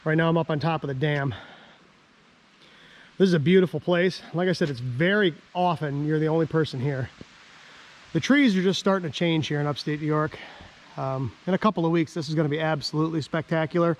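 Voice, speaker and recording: An American man, out of breath after a hike, vlogging outdoors in a chatty, self-deprecating way and clearing his throat often. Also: on the high side, a little fast. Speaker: ham radio vlogger. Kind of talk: casual outdoor vlog. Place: outdoors on a dam in a park.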